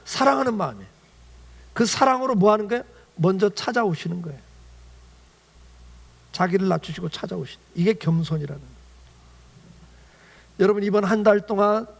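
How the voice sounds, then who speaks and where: High-voiced male pastor preaching. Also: creaky. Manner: preaches with frequent rhetorical questions to the congregation. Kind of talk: Sunday sermon. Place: church sanctuary.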